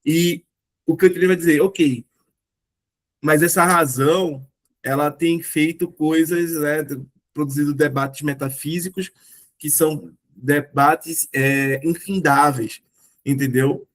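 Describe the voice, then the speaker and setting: A man's voice: on the high side, fairly even intonation, slow. A Brazilian man hosting a casual philosophy discussion, explaining ideas with rhetorical questions and frequent tag questions. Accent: Brazilian Portuguese. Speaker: discussion group host.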